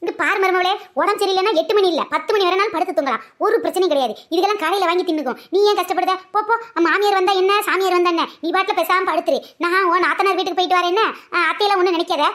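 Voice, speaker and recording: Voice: very high voice, racing, hardly any pauses, fairly bright tone. A voice actor playing a bossy, scheming old grandmother in a cartoon, nagging and sly as she scolds her family. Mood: scolding. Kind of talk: cartoon voice acting.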